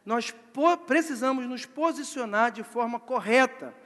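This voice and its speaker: A man preaching a live church sermon in a lively, theatrical way, acting out little scenes. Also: very high voice, unhurried. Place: church service hall. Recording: long church hall reverb.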